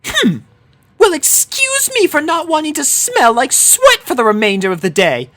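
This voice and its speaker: Woman as prissy teenage girl, story character, haughty, fussy, raised pitch. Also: huge pitch swings, normal speed, fairly bright tone, exaggerated voice. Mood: offended. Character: prissy, ladylike, easily offended teenage girl.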